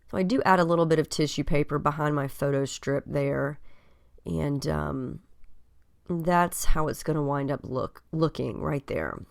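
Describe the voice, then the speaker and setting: Woman, low voice, a bit scratchy from a cold, relaxed chatty craft narration, lots of ums. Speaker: scrapbook crafter. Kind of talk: casual voice-over narrating a craft process video.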